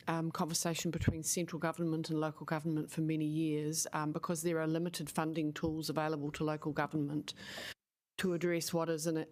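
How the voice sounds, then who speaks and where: A middle-aged woman, speaking as a council officer in a formal meeting, measured with many pauses and fillers. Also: sits low.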